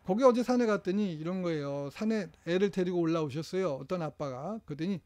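A middle-aged man delivers a training lecture in a fairly high voice. He stays lively and acts out what parents say. The sound is dry and close. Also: fairly quick, no echo.

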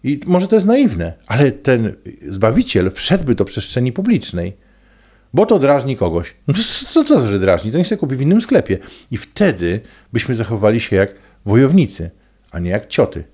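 A man's voice: medium pitch, huge pitch swings, normal speed, warm tone. A middle-aged man, a coach speaking in an emphatic, preachy and colloquial monologue to camera. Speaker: coach and trainer. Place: small indoor room. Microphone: desk microphone close in front.

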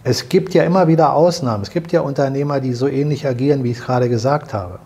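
A man's voice: mid-range voice, fast talker, warm tone, breathy edge. An older man hosting a salon conversation in a living room, earnestly explaining and repeating words as he searches for them. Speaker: host. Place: living room with fireplace, indoors.

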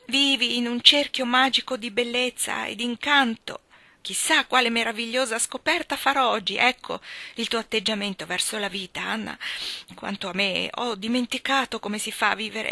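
A woman's voice: fairly high pitch, sharp tone, no room sound, pitched above the performer's own voice. A woman reading aloud, voicing a bitter, lonely young woman who speaks in anguished outbursts. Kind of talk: audiobook character reading.

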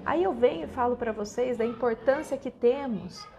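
A woman giving a devotional spiritist lecture in a measured, reflective way, often ending phrases with a questioning "né?". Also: fairly high pitch, darkish tone.

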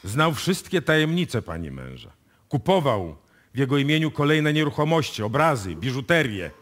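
An actor playing a confident police detective who deliberately lays out a case in a radio play. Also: male voice, medium pitch, very animated, fairly bright tone. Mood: explaining, assured. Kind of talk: live radio drama acting in Polish. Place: radio music studio, performed live before an audience.

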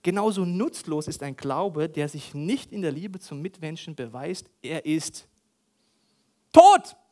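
A man with a fairly high voice delivers a sermon in a church hall. He is animated and provocative, acting out the prayers and voices he quotes, then driving his points home. He talks straight to the congregation. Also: measured pace. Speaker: pastor.

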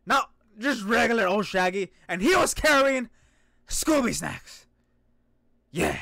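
Hyped guy vtuber reacting, high bright voice, super animated, music behind him. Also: takes it slowly, vocal fry, no room sound, studio quality. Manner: animated, exclamatory, playful, often shouting. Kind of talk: excited reaction commentary with casual slang. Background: music and video audio.

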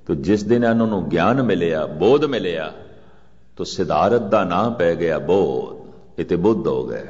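Older preacher, deep and echoing. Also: male voice, expressive, a little mellow. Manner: slow, measured delivery with chanted scripture quotes. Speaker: Sikh preacher. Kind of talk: religious discourse. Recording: muffled archival recording with long reverb.

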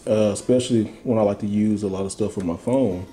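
A man bantering casually beside his co-host, joking around in relaxed slang. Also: fairly low pitch, fast, slight background noise. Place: game room with arcade cabinets.

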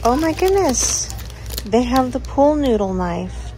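A woman's voice: sits high, very animated, slow. A woman filming a shop-with-me vlog inside a store on a handheld phone, chatty and exclaiming over items. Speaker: vlogger. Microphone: handheld phone camera. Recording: store noise behind.

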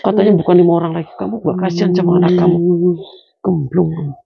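A man's voice: high-pitched, fairly even intonation, fast, gravelly, husky, no echo. A man with a Cirebon accent, a spiritual healer who gives stern commands and scolds a patient. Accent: Cirebon Indonesian. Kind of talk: scolding healing session. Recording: dull dry lo-fi sound.

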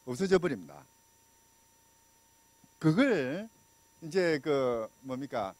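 A man's voice: medium pitch, a little mellow, no echo. A middle-aged man from Busan giving a public law lecture with a handheld mic, talking conversationally and putting questions to the audience. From Busan, South Korea. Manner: conversational, asks the audience questions, many fillers; gestures and walks while talking. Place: small lecture room indoors.

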